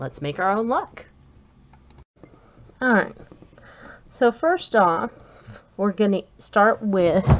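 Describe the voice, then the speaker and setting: A woman talks with ordinary pitch variation while noticeable noise fills the background. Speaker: crochet teacher. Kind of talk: tutorial. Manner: slow; hesitant, many fillers.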